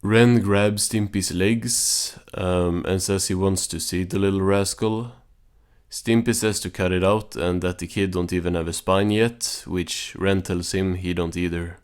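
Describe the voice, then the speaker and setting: Deep-voiced man doing casual deadpan recaps. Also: unhurried, slight background noise. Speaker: cartoon recap host.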